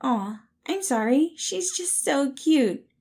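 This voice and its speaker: A woman voicing a soft, sweet, eager and affectionate man in a storybook reading. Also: sits high, expressive, takes it slowly, voice pushed up, full character voice. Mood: cheerful, affectionate. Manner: gushing, tender, affectionate.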